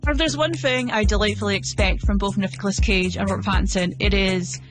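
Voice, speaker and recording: Female film critic, commentary read at medium pitch over clear music. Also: fairly even intonation, brisk. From Scotland. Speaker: pop culture critic. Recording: music under the voice.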